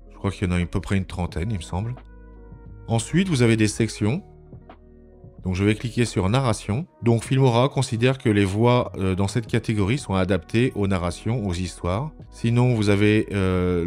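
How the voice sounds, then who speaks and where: A man presents a software tutorial step by step, informally and methodically, with frequent hesitant pauses. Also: fairly low pitch. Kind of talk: informal step-by-step screencast narration. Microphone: voice-over recorded on a microphone at a computer.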